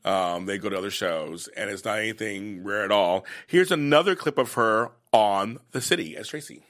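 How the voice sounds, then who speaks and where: A man in his late forties hosting a casual chat about a soap opera, chatty and quick to laugh. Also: on the low side. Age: late 40s. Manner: chatty, laughs often, animated. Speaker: host.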